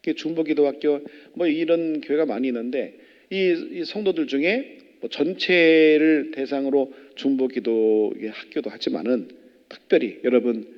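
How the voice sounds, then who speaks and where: A man preaching a sermon as pastor, animated and firing rhetorical questions at the congregation. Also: on the high side. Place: church sanctuary. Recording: long church reverb, dull lo-fi.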